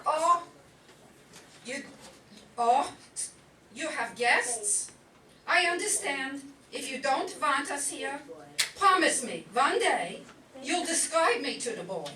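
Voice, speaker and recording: A woman's voice: sits high, very animated, slow pace, long pauses, sharp tone, full character voice. A woman playing a pushy, guilt-tripping Jewish mother in a live comic radio play, melodramatic and exasperated. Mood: wounded, martyred. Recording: distant echoey room, some noise.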